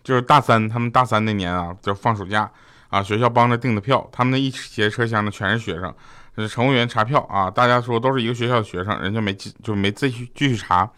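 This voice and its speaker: Male host, 30s, brisk, joking storyteller. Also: on the low side, sharp tone, smooth. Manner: joking, chatty, laughs often. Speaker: podcast host. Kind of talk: comedic storytelling chat.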